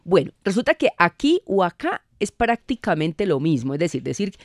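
A woman's voice: lowish voice, big pitch swings, normal speed, dry recording. A Colombian woman explaining spelling rules patiently as a guest on a radio show, speaking in a studio. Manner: patient, didactic, laughs easily.

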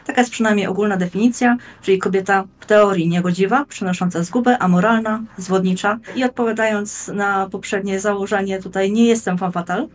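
A young woman giving a measured, articulate explanation in formal wording, as a guest in a podcast discussion. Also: mid-range voice. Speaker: guest panelist on a role-playing games show. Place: indoors, plain room, video call. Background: music.

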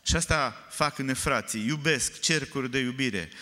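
A man preaching a sermon, telling stories with animated, often loud emphasis, recorded in a church. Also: mid-range voice. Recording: reverberant church hall.

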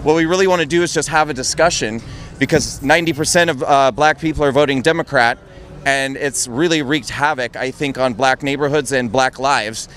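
A man's voice: mid-range voice, fairly quick, fairly bright tone. A man doing a conversational street interview on a city sidewalk, speaking earnestly and persuasively. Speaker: street interviewer, campaign activist. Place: outdoors on a busy city sidewalk. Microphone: handheld interview mic. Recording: noisy busy city street with traffic.

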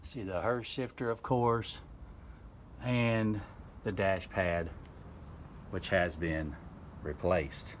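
A man with a fairly low voice narrates a methodical walkaround, explaining each detail plainly. It was recorded on a handheld phone in an old barn. A faint ambience sits behind him. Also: fairly even intonation, takes it slowly, long pauses, slight background noise. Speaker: classic car appraiser and channel host. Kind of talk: walkaround narration while filming. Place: old open barn, indoors and out. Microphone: handheld phone camera.

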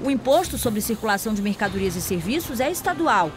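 A woman news reporter with a Brazilian Portuguese accent from Amazonas, reading a scripted voice-over in a measured, informative way. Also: mid-range voice, very animated. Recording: voice-over with background music.

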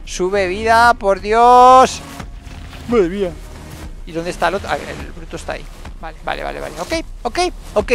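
Excitable man in gravelly game commentary. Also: high voice, soft background music. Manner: excitable, repeats words in rapid bursts, talks to himself. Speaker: gaming YouTuber. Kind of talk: live gameplay commentary.

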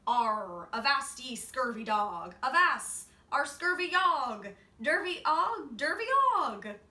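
Woman doing a loud, bellowing toy pirate. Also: high-pitched, expressive, slow, recorded from a distance, pitched above the performer's own voice, heavily acted. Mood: blustering, loud. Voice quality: bellowing, garbled. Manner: repetitive pirate talk. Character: broken bellowing egg-shaped pirate toy. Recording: roomy, off-mic, faint noise.

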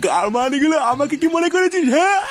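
Casting: loud drunken father for comedy cartoon, extremely high pitch, slurring, swaggering, crude, over music. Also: big pitch swings, fast talker. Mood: drunk, belligerent. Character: foul-mouthed drunk father, loud boastful blustering husband. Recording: music behind the voice.

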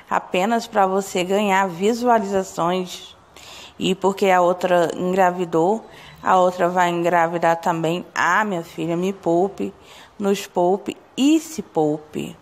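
A hoarse young woman from Brazil, vlogging to camera in an indignant, gossipy way, talking straight to her viewers. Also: fairly low pitch, fairly even intonation, measured pace. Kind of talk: casual opinion vlog to camera. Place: small indoor room. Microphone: phone or webcam close to face.

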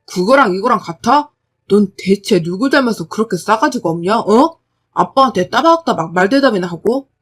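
A woman's voice: mid-range voice, lively intonation, extremely slow, few pauses, warm tone, husky, exaggerated voice. A woman voicing a domineering middle-aged husband who barks angrily at his family. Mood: angry. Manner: barking, domineering. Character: gruff bullying husband, middle-aged man.

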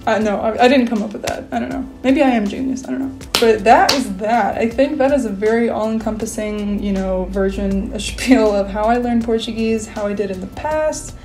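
A woman's voice: fairly high pitch, a little fast, few pauses, over music. A young woman in her twenties vlogging casually from a bedroom, chatty and full of fillers, gesturing as she talks to the camera. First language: English. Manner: chatty, lots of fillers, animated hand gestures. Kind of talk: casual talking-head vlog. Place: small bedroom, indoors.

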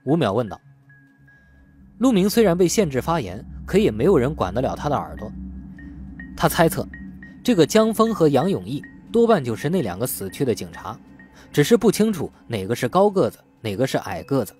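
A man's voice: medium pitch, sing-song, fairly quick, darkish tone, faint music behind. A man narrating an audiobook in a scripted storytelling style. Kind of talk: scripted audiobook narration of an urban crime novel.

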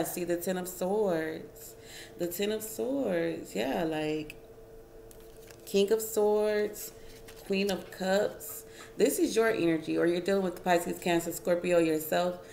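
Slow, creaky, and darkish, the woman's lowish voice carries through an echoey room with slight background noise. Sitting at a wooden table at home, she gives a casual tarot reading, chatting to viewers she calls "y'all" and reflecting on each card out loud.

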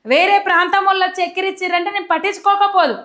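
Young telangana woman ranting earnestly to camera, very high voice, telangana telugu accent. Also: fairly even intonation, rapid-fire, fairly bright tone. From Telangana, India. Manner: earnest, emphatic, colloquial. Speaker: political commentator. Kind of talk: direct-to-camera commentary.

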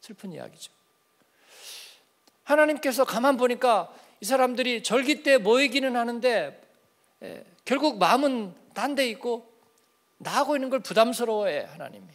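A man's voice: very high-pitched, lively intonation, normal speed, a bit bright. A man preaching an early-morning church sermon in a conversational way, asking the congregation questions and acting out little everyday exchanges. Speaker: pastor.

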